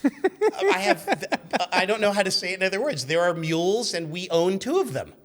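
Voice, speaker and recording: A man in his fifties telling anecdotes in an animated, chatty way as a podcast guest. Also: high-pitched, moderate pace. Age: 50s. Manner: chatty, acts out quoted shouts. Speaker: podcast guest, magazine editor.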